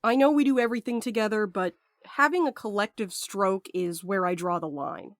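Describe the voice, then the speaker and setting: A woman's voice: mid-range voice, moderate pace, no echo, clean studio sound, lightly acted. A woman playing a blunt, impatient night courier in an audio drama, naturalistic and wry. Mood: exasperated, uneasy.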